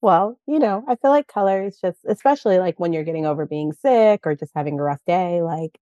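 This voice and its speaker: A woman guest with a raspy voice from a cold, chatting playfully and laughing at herself. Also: lowish voice, lively intonation, a little fast, mellow, no room sound, muffled recording. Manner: giggly, playful, self-mocking. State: getting over a cold. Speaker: guest, brand founder. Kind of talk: casual interview chat.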